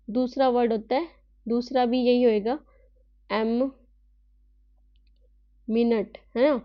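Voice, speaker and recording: A woman teacher giving an online class, reading English lines slowly and explaining them, with rhetorical checks to her students. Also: sits high, no echo, muffled recording. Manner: asks rhetorical questions, tag "है ना".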